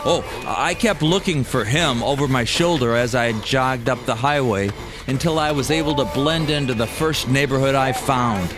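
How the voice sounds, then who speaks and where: A male storyteller narrates a scripted first-person tale. His pitch is average and his phrasing deliberate and dramatic. Music plays clearly behind the voice.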